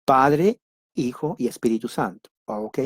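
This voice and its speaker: A man teaching a church doctrine class, speaking deliberately in simple words and repeating key words for emphasis. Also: medium pitch, expressive, slightly rough, no echo, clean studio sound. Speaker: Bible study teacher.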